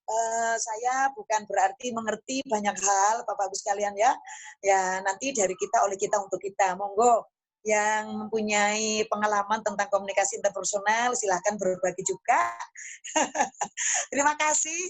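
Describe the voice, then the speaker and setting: A woman's voice: medium pitch, fairly even intonation, moderate pace. A woman giving an online class lecture to teachers, chatty and emphatic, speaking into a phone. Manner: chatty, emphatic, tags phrases with "loh ya". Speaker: guest lecturer.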